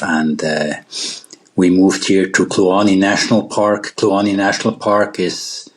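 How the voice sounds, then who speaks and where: A middle-aged man from Switzerland with a Swiss accent, a guest telling his story in a podcast interview, pausing often and restarting his sentences. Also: deep voice. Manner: halting, with frequent pauses and restarts. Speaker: guest wildlife photographer.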